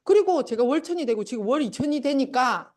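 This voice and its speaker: A middle-aged woman addresses a seminar, her voice pitched a little high and swinging widely as she tells stories. She acts out her family members as she talks, keeping the room hooked with a motivational pitch. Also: brisk. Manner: animated storytelling, acting out family members. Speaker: seminar speaker. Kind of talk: motivational sales seminar talk.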